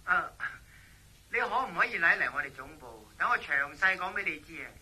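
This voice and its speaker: Touchy cantonese spy boss over a tinny phone line, high and sharp. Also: male voice, expressive, husky, full character voice. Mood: urging. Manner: quick to anger, insistent. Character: short-tempered male intelligence chief. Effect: telephone. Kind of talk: Cantonese radio drama acting.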